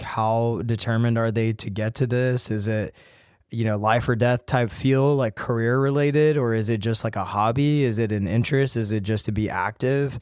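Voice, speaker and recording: A man hosting his own podcast and talking casually to listeners, his voice a little hoarse from illness. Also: medium pitch, darkish tone, no room sound, clean studio sound. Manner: conversational, addresses listeners directly. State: voice worn from illness, slightly hoarse. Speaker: podcast host and physical therapist. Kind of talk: solo podcast talk.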